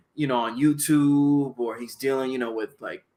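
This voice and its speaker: A man with an American accent talks in an ordinary speaking voice at medium pitch. His pace is moderate and his intonation fairly even. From US, of Dominican descent. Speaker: podcast host. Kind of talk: casual chat. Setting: livestream.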